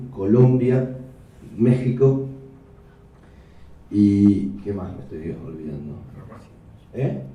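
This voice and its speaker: Argentine male economist, dark mellow tone, explains slides calmly; recorded from afar in a reverberant hotel room. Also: medium pitch. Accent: Argentine Spanish. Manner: measured, explanatory, with asides and self-corrections. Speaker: economist giving a talk. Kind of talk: lecture with slides. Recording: echoey room, mic far off.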